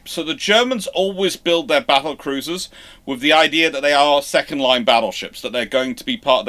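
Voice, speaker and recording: Male live-show host, mid-pitched, explanatory and discursive, often breaking off to rephrase himself mid-sentence. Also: bright, forceful tone. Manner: explanatory, halting with false starts and self-corrections. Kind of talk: informal live Q&A commentary on naval history.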